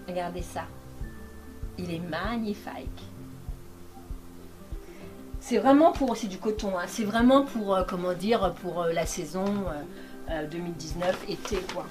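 Chatty woman vlogger over background music. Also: medium pitch. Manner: chatty and playful, with pet names for viewers. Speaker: vlogger showing a shopping haul. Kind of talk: casual chat to viewers. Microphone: camera microphone, filmed by a cameraman.

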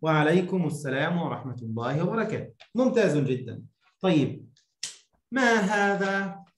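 A man speaks as a language teacher. His voice is on the low side and rings in a roomy, echoing space. He enunciates each phrase deliberately, prompting and repeating for a beginner. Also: sing-song. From Egypt. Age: 30s. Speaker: Arabic teacher. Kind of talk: beginner language lesson to one student. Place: small indoor room, video call. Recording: roomy echoing online-call sound.

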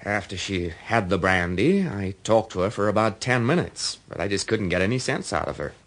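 An actor playing a celebrity's smooth, protective personal assistant in a radio drama, conversational and rather hesitant. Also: male voice, lowish voice, expressive, normal speed, fairly bright tone. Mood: indignant, earnest.

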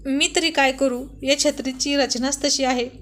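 A woman's voice: high voice, fairly even intonation, normal speed, a bit bright, slight background noise. A woman reading the lines of a naive, carefree young wife in a storybook, chatty and protesting, in her own voice.

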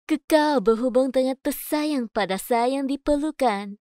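A woman reading scripted voice-over in a measured, clearly enunciated way. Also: sits high, a little mellow, no room sound. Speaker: voice-over artist. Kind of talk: scripted voice-over demo: adverts, narration, announcements.

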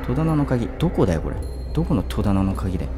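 A young man playing a horror game, chatting to himself, shouting at scares and scolding the monster. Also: lowish voice, big pitch swings, fast talker. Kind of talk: let's play commentary. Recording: game music behind.

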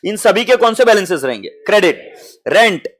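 A man's voice: sits high, sing-song, brisk, a bit bright. A man with an Indian accent teaching accounting to a live class, mixing Hindi and English and calling students "beta" fondly.

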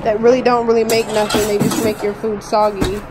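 A woman's voice: medium pitch, level tone, fairly quick. A woman chatting and teasing while helping sort through a storage locker outdoors. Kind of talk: casual chat. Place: outdoors at an open storage unit. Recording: noisy outdoor camera audio.

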